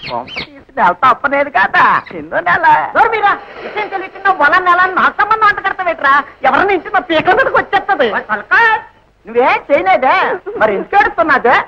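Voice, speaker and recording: A chatty, teasing village constable. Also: male voice, very high voice, very animated, brisk, sharp tone, full character voice. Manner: bantering, teasing, rustic dialect. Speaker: police constable. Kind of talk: comic film acting. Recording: dull lo-fi old film soundtrack.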